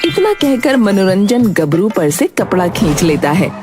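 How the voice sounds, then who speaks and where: A woman narrating a cartoon story in a plain, even storytelling manner. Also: mid-range voice, measured pace. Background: background music.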